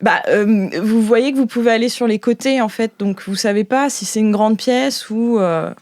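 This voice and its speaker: A woman hosting as game master, narrating an improvised tabletop game in a playful, colloquial, halting way. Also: on the high side, darkish tone, no echo.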